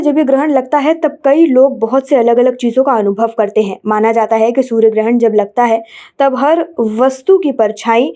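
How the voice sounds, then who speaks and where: A woman's voice: on the high side, warm tone. A woman news presenter narrating scripted bulletins in a formal, read-out manner.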